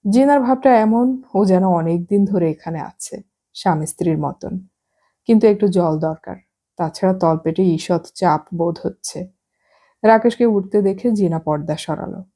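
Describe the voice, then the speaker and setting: A woman narrating a novel as an audiobook, reading at an unhurried pace and lightly acting out the dialogue. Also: fairly low pitch, warm tone.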